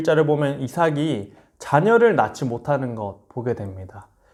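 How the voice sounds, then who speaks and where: Audible room echo surrounds a man who speaks very slowly at a fairly high pitch with lively intonation. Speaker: assistant pastor teaching a Bible class. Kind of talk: lecture. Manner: formal.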